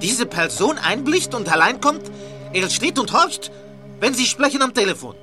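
A threatening henchman barks clipped, broken orders in a strange put-on accent. His voice sits high and strained, and music plays clearly under the old radio play clip. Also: very animated, moderate pace. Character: menacing male assistant with a dubious accent. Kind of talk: 1970s radio drama. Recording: clip played with music behind.

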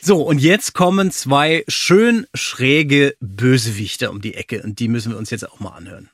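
A man hosts a casual podcast chat. His medium-pitched voice is noticeably husky. The recording is very dry and free of room sound. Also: moderate pace, a bit bright, no echo. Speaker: podcast host.

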